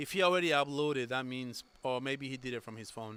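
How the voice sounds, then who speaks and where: A man speaks with a Spanish accent in a bright, sharp tone. The recording is very clean, with a silent background. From Spanish-speaking country, moved to US at 15. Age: 30s. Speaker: football streamer. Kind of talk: live stream chat reaction. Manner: animated.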